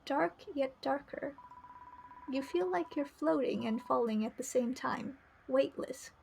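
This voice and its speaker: High-pitched, creaky woman streaming a game. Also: measured pace, a little hiss or hum. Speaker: streamer playing a visual novel. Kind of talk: live game stream, reading dialogue aloud with chatty asides.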